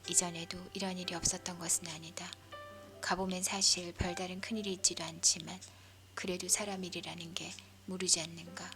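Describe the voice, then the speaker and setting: A woman softly whispering a bedtime story as narrator, breathy, as if leaning in close. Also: fairly low pitch, level tone, brisk, faint music behind.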